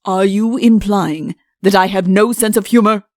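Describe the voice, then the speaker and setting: A woman's voice: medium pitch, moderate pace, a little mellow, no room sound, studio quality, close to an everyday voice. A woman voicing a pompous, stern, irritable middle-aged king in a comic fairy-tale audiobook, with an imperious, curt manner. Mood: cold.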